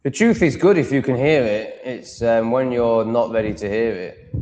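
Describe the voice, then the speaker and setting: A man hosting a livestream in a blunt, profane, mocking manner. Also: on the low side. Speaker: livestream host. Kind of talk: casual livestream rant. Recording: long reverb, faint noise.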